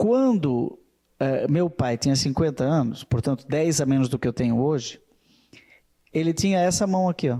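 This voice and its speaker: With long, frequent pauses, a man talks in a fairly high voice that has a dark, mellow tone. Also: ordinary pitch variation, moderate pace, very even loudness. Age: 60s. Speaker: priest and podcast host. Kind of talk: interview.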